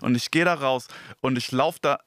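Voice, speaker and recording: A man's voice: medium pitch, moderate pace, fairly bright tone, no room sound, clean studio sound. A man, a comedian, talking in a casual podcast chat in crude slang and getting worked up as he rants. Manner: crude slangy rant, growing heated.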